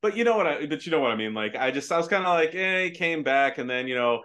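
A man's voice: a little high, animated, fast, fairly bright tone. Chatty american guy, lots of ums. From Afghanistan. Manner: hesitant, many fillers and restarts. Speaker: podcast guest. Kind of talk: casual chat. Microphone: video call.

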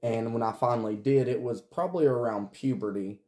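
A man's voice: medium pitch, a little fast, mellow. A man in his twenties co-hosting a podcast and talking casually about his own life. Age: 20s. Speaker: podcast co-host. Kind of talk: casual personal chat.

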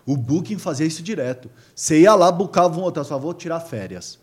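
A man's voice: fairly high pitch, fast. A man, explaining marketing in casual chat and acting out little dialogues as he goes. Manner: animated storyteller acting out dialogues.

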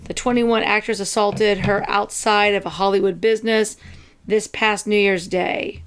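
A woman with a raspy voice hosting a casual podcast chat, reading out news headlines between remarks. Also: medium pitch, steady tone, moderate pace. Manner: reads headlines aloud, chatty with fillers. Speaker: podcast host.

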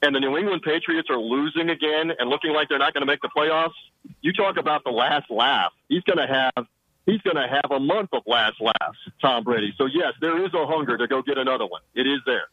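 A man, a sideline reporter guesting on a radio sports show, giving confident, rapid-fire football analysis from a sheltered spot outside a stadium. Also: mid-range voice, dry recording, lo-fi sound.

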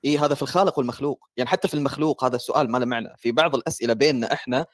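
A man's voice: mid-range voice, racing, no echo, clean studio sound. A man in a casual online debate, explaining his point step by step.

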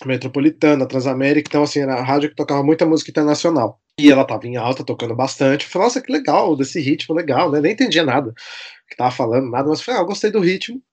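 A man's voice: fairly high pitch, expressive, rapid-fire, darkish tone, husky. A man in his thirties with a São Paulo Brazilian accent, talking casually and playfully as a podcast guest. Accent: São Paulo Brazilian Portuguese. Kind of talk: casual conversational storytelling.

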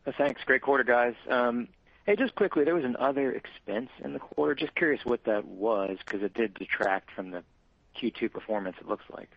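A male analyst asks brief, casual questions on an earnings call. His voice is creaky and medium-pitched, over a dull, dry phone line. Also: animated, moderate pace, no room sound. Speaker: financial analyst asking questions.

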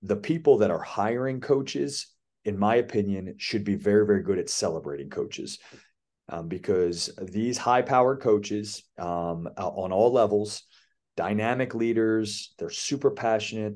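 A male athletic director, a guest on an interview podcast, with a somewhat low voice. He explains his ideas fluently and with conviction, building point after point. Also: a little slow, darkish tone. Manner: confident, explanatory, speaks in flowing points. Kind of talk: casual interview answer.

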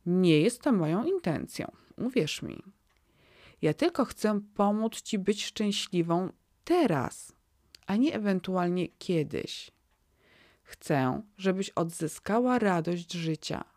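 A woman voicing a gentle, kind fairy who speaks softly and soothingly, in a spoken fairy tale. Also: fairly low pitch, expressive, slow, no echo, studio quality. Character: gentle kindly female fairy, warm and wise.

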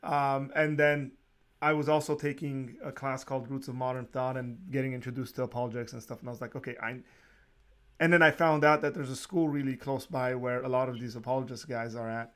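A man hosting a casual interview, talking in a relaxed, rambling way with frequent restarts and small laughs. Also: mid-range voice, a little fast, smooth. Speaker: podcast host.

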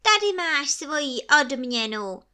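A woman's voice: sits high, sing-song, bright, forceful tone, voice pushed up, full character voice. A woman voicing a wailing bottled spirit. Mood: grand. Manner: wailing, then coaxing and bargaining. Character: pleading, tricky male spirit in a bottle.

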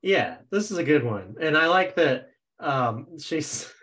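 Podcast guest, man, fairly high voice, wry joker, casual chat. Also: very animated, slow pace, a bit bright. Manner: joking and wry, often laughing. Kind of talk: casual chat recapping a cartoon episode.

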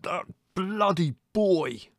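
A man's voice: high voice, expressive, extremely slow, dry recording, studio quality, pitched above the performer's own voice, full character voice. A man voicing an irate young man who snarls and swears at his family. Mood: furious.

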